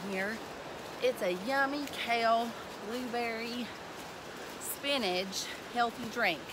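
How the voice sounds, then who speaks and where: At a fairly slow pace with long, frequent pauses, a woman speaks in a high voice with ordinary pitch variation, the sound dry with no echo but with noticeable background noise. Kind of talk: casual vlog chat. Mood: cheerful, upbeat. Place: forest. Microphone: phone near.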